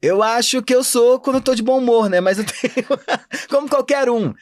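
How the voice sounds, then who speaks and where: A Brazilian man, an anthropologist, talking fast and animated in a casual podcast interview. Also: very high-pitched, slight background noise. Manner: animated, talks fast and thinks aloud. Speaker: anthropologist guest.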